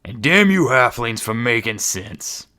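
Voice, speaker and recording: Lady doing a big growly orc guy, deep and loud, barks everything, storybook fantasy. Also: big pitch swings, a little slow, exaggerated voice. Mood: gruff, irritated. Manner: barking, growling, coarse. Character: towering gruff male orc warrior leader.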